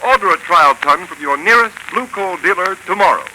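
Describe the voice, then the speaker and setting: An emphatic male announcer reads a 1930s radio sponsor spot and program intro. His voice is very bright and rises and falls a lot, slightly raised in pitch. Faint hiss of an old broadcast recording runs behind him. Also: lively intonation, a little fast, faint music behind, low-quality recording. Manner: emphatic, declamatory.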